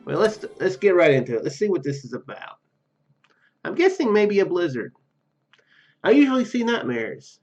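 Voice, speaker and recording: This YouTube player has a high, sing-song voice at normal speed, a little mellow, with long pauses and the top frequencies cut off. He rambles hesitantly through let's play commentary, reading game text aloud and repeating himself while game music plays.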